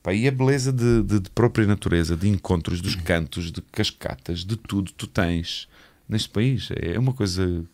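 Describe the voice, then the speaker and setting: A man's voice: low voice, normal speed, darkish tone. A man in his forties who grew up in Eastern Europe, talking casually and bluntly as a podcast guest, swearing freely in a studio on a headset mic. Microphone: studio mic with headphones.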